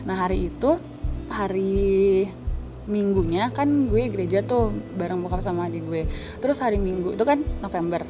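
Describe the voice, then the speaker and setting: A young woman, speaking in a halting way, often searching for her words. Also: mid-range voice. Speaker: panel guest. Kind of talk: casual conversation. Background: soft music.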